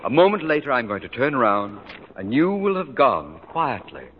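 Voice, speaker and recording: A man's voice: mid-range voice, big pitch swings, moderate pace, lightly acted. An actor playing a pompous, bossy middle-aged male school principal in 1940s radio comedy style, barking orders. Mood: blustering. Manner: bossy, explosive, shouting orders. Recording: muffled old radio broadcast, reverb, heavy hiss.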